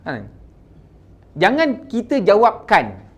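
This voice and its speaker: A man's voice: high-pitched, slow, slightly rough. A man with a Malaysian accent coaching insurance agents, mixing English terms into his talk and often checking in with "kan?". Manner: mixes English into Malay, asks "kan?" often, lively stresses. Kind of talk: sales training talk.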